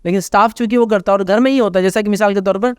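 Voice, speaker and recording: High-voiced Indian man giving advice. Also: fairly even intonation, racing, smooth, dry recording, studio quality. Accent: Indian Hindustani. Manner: explains with everyday examples and acted-out quotes; repeats reminders to remember. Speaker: Islamic scholar answering a question. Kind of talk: conversational religious advice talk.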